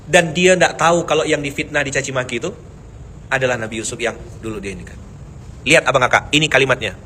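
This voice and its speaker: A man preaching a lively sermon with jokes, swinging between loud emphasis and soft asides and chanting verses. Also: medium pitch, fast, slight background noise. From Pontianak, Indonesia. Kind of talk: lively mosque sermon with jokes and audience banter.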